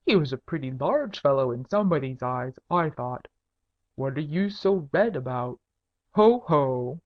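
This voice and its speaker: A woman's voice: low-pitched, lively intonation, a little slow, voice pushed down. A woman voicing a hearty, blustering older baron and father in a humorous storybook reading. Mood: roguish, teasing. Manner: hearty, roguish, exclaiming. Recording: dull lo-fi audiobook recording.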